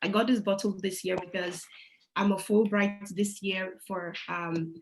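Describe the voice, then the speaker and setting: A woman's voice: medium pitch, fairly even intonation, unhurried, rough recording. Chatty young woman. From Nigeria. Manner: chatty, enthusiastic, uses "like" often. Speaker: guest speaker. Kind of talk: casual presentation.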